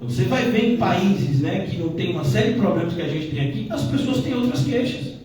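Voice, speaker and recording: A man's voice: sits high, expressive, fairly quick, a little mellow, slight background noise. A male pastor teaching a Bible-study sermon in a conversational manner, dotted with "né?" asides. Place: church hall. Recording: echoey church hall, distant mic.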